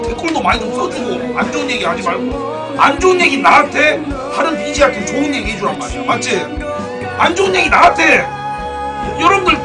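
Brief: high, swooping male streamer, loud and excitable, mic set back with game music playing. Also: distant mic. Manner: excitable, loud outbursts, frequent swearing. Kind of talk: casual live-stream commentary.

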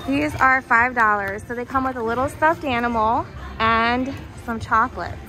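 In a discount retail store, a young American woman vlogs about her shopping, gushing over items in a fairly high, sharp-toned voice at a moderate pace. The low-quality recording comes from a handheld camera or phone she holds, with background music.

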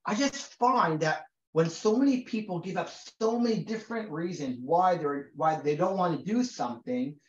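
A male rabbi in his forties from Israel teaches a class in a conversational lecture style, his voice a little high and animated. He restarts often, repeats words, and reads Hebrew sources aloud quickly. The recording is roomy, muffled, and dull lo-fi.

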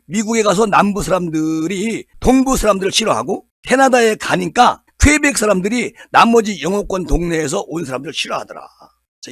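Give me an emphatic male commentator, high-pitched and very lively, firing off rhetorical questions. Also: no room sound. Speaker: political commentary channel host. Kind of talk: political commentary monologue.

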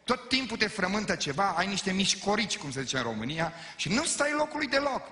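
A man with a Romanian accent preaching a sermon, calling out questions to the congregation and swinging between loud exhortation and quiet storytelling. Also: high-pitched, sing-song. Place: church. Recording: live sermon in a reverberant church hall.

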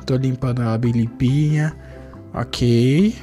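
An excitable man narrates his gameplay for a video channel, talking straight to his viewers at a mid pitch. When the game surprises him his voice leaps up sharply, and soft music plays faintly underneath. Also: takes it slowly. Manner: chatty, keeps calling out to viewers, jumps high when surprised. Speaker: gaming YouTuber.

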